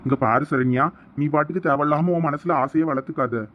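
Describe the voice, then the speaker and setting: A man voicing young male cartoon characters at a rapid clip. His voice sits a little high, and he talks earnestly and persuasively. The sound is dull and lo-fi. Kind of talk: cartoon voice acting. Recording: dull lo-fi recording.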